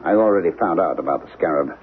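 A man's voice: sits low, slight background noise, close to an everyday voice. An actor playing an obsessed, agitated man in a 1970s radio drama, speaking insistently and intensely. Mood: urgent, secretive. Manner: insistent, intense, halting when preoccupied. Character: obsessed, agitated man convinced of an alien menace. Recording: thin, muffled 1970s radio broadcast.

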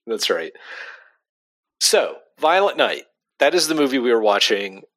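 A man's voice: medium pitch, big pitch swings, a little slow, fairly bright tone. A man co-hosting a casual movie podcast, rambling and restarting his sentences and laughing often. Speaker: podcast co-host.

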